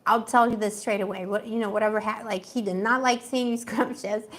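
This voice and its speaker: A woman's voice: medium pitch, steady tone, fairly quick. A woman giving a casual livestream tarot reading, chatty and gossipy, laughing often, with a voice she says is going. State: losing her voice. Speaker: tarot reader.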